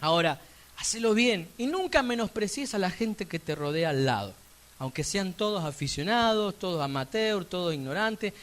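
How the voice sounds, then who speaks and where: A man with an Argentine accent preaching a sermon in church, emphatic, with sudden loud rising peaks and chatty asides. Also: fairly high pitch. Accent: Argentine Spanish. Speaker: pastor.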